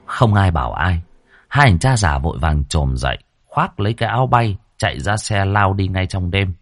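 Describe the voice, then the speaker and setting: A man tells a ghost story with dramatic, vivid narration. His voice is very deep and husky, with a lively melody. The sound is close and dry. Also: moderate pace, no echo.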